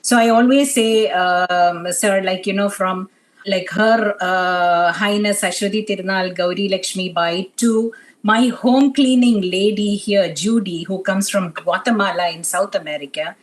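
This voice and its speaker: A woman's voice: medium pitch, measured pace, low-quality recording. A woman in her fifties from Tanzania, talking about her life as an interview guest, with many fillers. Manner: soft-spoken, many fillers. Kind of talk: interview chat.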